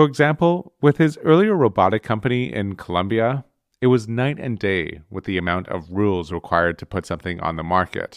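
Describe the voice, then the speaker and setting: The man's fairly low voice makes very wide pitch swings. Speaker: podcast host. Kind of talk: scripted narration with interview.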